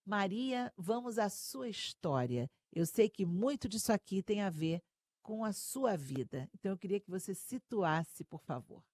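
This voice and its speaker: A woman host interviewing an author, her voice at a middle pitch. She reads a prepared introduction, then asks her questions. The recording is dry and close. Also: animated, a little slow, a little mellow, no echo.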